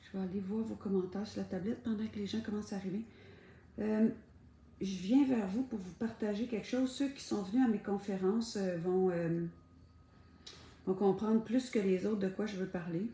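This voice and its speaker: A somewhat breathy voice with a Quebec accent, at a moderate pace broken by long, frequent pauses. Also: woman, medium pitch for a woman. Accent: Québécois French. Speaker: spiritual speaker. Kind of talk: livestream talk. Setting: live stream. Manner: halting with many fillers.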